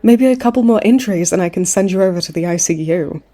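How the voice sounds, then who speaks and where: A woman's voice: lowish voice, fast, dark tone, natural voice. A woman playing a cheeky, smug supervillain in a comedy audio roleplay, with a breezy, teasing way of talking. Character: cocky, cheeky supervillain woman, a chummy hospital frequent flyer.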